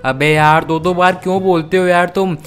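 A man's voice: sits high, fairly even intonation, normal speed, fairly bright tone, smooth, faint music behind. A young man hosting a comic gameplay role-play, scolding his sidekicks in exasperated banter. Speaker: gaming YouTuber host.

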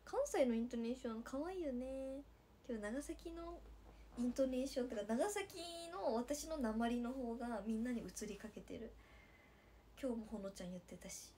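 A woman's voice: a little high, moderate pace, slight background noise. Sleepy young woman with a Nagasaki accent. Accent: Nagasaki dialect. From Nagasaki, Japan. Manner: drowsy, drifting into soft whispers, then bright squeals for viewers. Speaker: idol livestreamer. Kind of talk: casual livestream chat reading comments.

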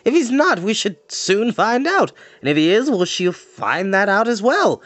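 A man voicing a boastful, excitable bard with a pompous, blustering manner in a storybook read-aloud. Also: high-pitched, moderate pace, no echo, voice pushed up. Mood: exasperated. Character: boastful, excitable male bard, self-assured adviser.

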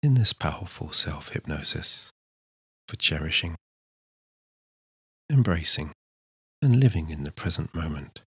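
A man narrating a scripted sleep hypnosis session in a soothing, measured manner with unhurried pauses. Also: rumbling low, expressive, husky, no room sound, clean studio sound. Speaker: hypnotist, guided meditation narrator.

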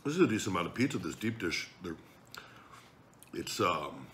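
A man's voice: sits low, big pitch swings, normal speed, a bit bright, a little hiss or hum. A man talking with his mouth full while eating on camera, crude and blunt, swearing as he rambles. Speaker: mukbang vlogger. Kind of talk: casual chat while eating.

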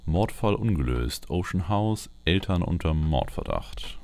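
Very deep, gravelly man muttering game commentary. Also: expressive, unhurried, darkish tone. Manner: muttering to himself, fragmented thinking aloud. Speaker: let's player. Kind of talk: casual gameplay commentary with roleplay. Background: game ambience.

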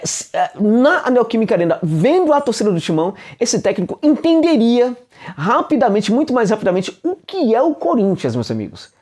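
A man in his forties with a Brazilian accent, giving animated football commentary to camera on a lapel mic in a room, with many fillers. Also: high voice. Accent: Brazilian Portuguese. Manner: animated, emphatic, gestures with hands, many fillers. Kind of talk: casual vlog commentary. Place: indoor room with bookshelves. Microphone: clip-on lapel mic.

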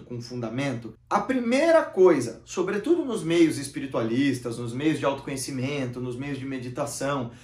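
A Brazilian man in his thirties sits in an armchair in a small room lined with bookshelves, delivering an animated philosophical monologue to camera for his channel. He gestures expressively and shifts his volume and pitch often, and the recording has a roomy echo.

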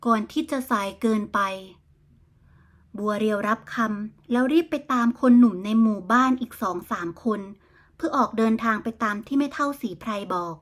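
A woman narrating a bedtime folk tale in a smooth, even storytelling manner. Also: a little high, brisk.

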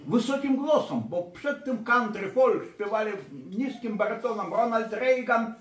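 High-voiced man lecturing in an echoey room. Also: a little slow, a bit bright. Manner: emphatic, digressive lecturing. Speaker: therapist and court expert. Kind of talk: lecture-style talk.

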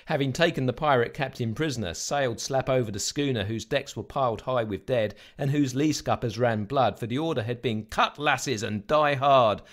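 A young man bellows through a pirate battle with hearty bluster, as a man puts him on. His voice is mid-pitched. It is a storybook reading. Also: normal speed, hardly any pauses, close to an everyday voice. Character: young man Fred, hearty sea-yarn teller.

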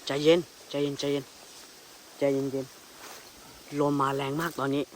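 A man with in his speech, vlogging in hushed, tense tones while walking through a dense rainforest with a companion, using coarse slang. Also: mid-range voice, flat delivery, slow pace, a little hiss or hum. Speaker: ghost-hunting vlogger. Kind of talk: whispered jungle exploration vlog. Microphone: handheld camera.

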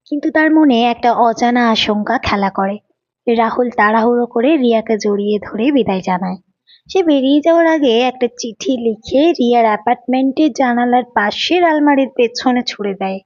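High-voiced woman narrating a dramatic story. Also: moderate pace, darkish tone. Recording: dull lo-fi recording.

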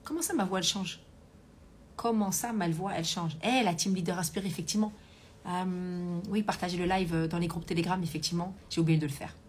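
A woman's voice: on the low side, a little fast, slight background noise. A woman coach hosting a live stream, chatting casually, reading comments aloud and talking with many fillers. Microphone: Bluetooth hands-free earpiece.

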